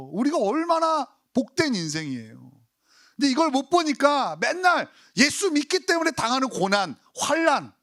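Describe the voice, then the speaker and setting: High-pitched korean church pastor, super animated, keeps asking the crowd questions. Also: male voice. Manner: conversational preaching with rhetorical tag questions. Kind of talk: sermon. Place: church sanctuary.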